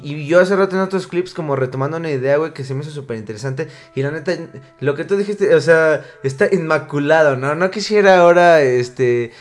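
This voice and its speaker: Slangy rambling Mexican guy. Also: on the high side. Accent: Mexican Spanish. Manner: slangy, rambling, self-interrupting. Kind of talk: casual chat.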